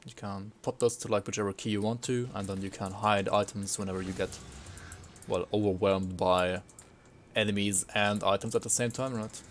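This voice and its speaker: A man streams a game with an easygoing, rambling commentary and a voice a little on the low side. He keeps checking in with his viewers, and a faint hiss sits under his voice. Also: normal speed. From partly raised in Sweden. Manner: relaxed and rambling, ends points with a tag question; chats with viewers while playing. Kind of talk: casual gameplay commentary.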